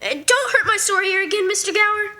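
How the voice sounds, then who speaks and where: Very high-pitched pleading boy. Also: lively intonation, brisk, bright, forceful tone, full character voice. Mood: pleading, scared. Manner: pleading, earnest. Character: frightened, pleading, honest schoolboy. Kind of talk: staged radio drama reading.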